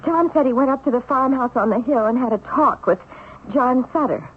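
A woman's voice: high-pitched, fairly quick, slightly rough. An actress in a 1970s radio drama playing an anxious wife, earnest and reassuring with her injured husband. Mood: worried. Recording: narrow-band old radio recording, faint noise.

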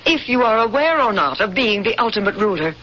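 A woman's voice: medium pitch, sing-song, a little fast, a bit bright. An actress playing a female interrogator and secret rebel in a radio drama, solemn, insistent and declamatory about her prophecy. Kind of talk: 1970s radio drama acting. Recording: dull, noisy old radio broadcast.

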